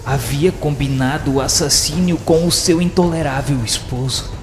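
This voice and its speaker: A man's voice: a little high, moderate pace. A man narrating a radio novela from a script, with solemn, theatrical delivery and literary phrasing. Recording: echoey long reverb, music underneath. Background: clear background music.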